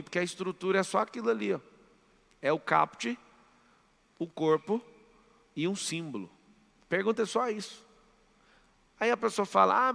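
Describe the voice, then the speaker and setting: A man's voice: high-pitched, creaky, pushed and bright. A Brazilian Portuguese-accented man mentoring a live audience in a large hall, speaking emphatically and telling listeners what to write down. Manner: emphatic, drills the audience with commands. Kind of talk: live motivational seminar talk. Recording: long hall reverb.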